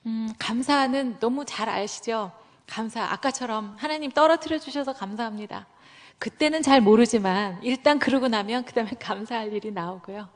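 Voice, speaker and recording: A woman with a fairly high voice preaches with animated storytelling, acting out the lines of the people in her stories. The sound rings with a long reverb, as in a church hall. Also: moderate pace. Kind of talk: sermon.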